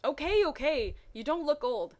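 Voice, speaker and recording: A playful grown man from a read-aloud story as a woman puts him on. The voice jumps up high, cheeky and bouncy, an unrepentant prankster. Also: big pitch swings, normal speed, a little mellow.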